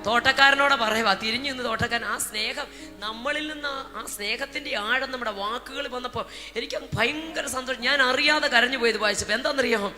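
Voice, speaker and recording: A woman from Kerala preaching a Pentecostal sermon, moving between shouted speaking in tongues and soft storytelling, with praise words dropped between her phrases. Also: fairly high pitch, a little fast. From Kerala, India. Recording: reverberant hall with music behind.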